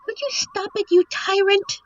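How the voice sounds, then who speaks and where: A woman's voice: very high-pitched, steady tone, normal speed, lo-fi sound. A woman playing a sheltered young princess in a fantasy audio drama, fussy, eager and melodramatic. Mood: indignant. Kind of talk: fantasy audio roleplay acting.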